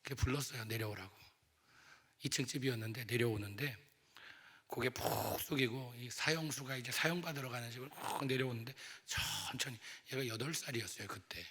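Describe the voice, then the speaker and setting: A man's voice: medium pitch, a little fast, fairly bright tone, breathy edge. Fervent man preaching in a reverberant church. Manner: emotional, rising to fervent appeals. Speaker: pastor. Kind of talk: revival sermon storytelling. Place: church sanctuary.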